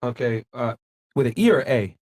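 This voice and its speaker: A man hosting a casual panel podcast, firing quick intake questions at guests and noting their answers. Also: mid-range voice, expressive, darkish tone. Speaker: podcast host.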